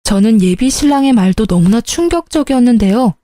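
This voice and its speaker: A woman's voice: fairly high pitch, animated, fairly quick, dry recording. Brief: woman narrator, dramatic scripted story, dry studio sound. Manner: dramatic, sharp-tongued first-person telling.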